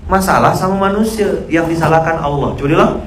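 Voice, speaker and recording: Animated preacher in a roomy hall. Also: male voice, brisk, a crowd in the background. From Indonesia. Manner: animated, jumps to loud high outbursts when acting out others; clears throat often. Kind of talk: casual sermon to a congregation. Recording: roomy hall with faint ambience.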